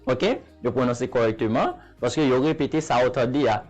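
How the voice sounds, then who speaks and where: A man with a Haitian accent, teaching a Spanish pronunciation lesson. He speaks patiently, repeats each example word slowly and keeps checking in with the listener. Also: medium pitch, a little mellow, faint music behind. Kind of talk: spoken language lesson.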